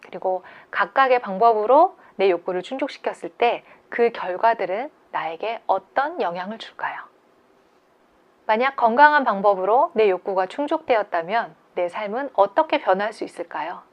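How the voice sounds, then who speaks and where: A woman delivers a lecture in a calm, steady voice. She explains ideas patiently and asks her listeners questions as she goes. Her pitch sits in the middle for a woman. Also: moderate pace, highs cut off. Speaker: creativity lecturer. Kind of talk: scripted online lecture.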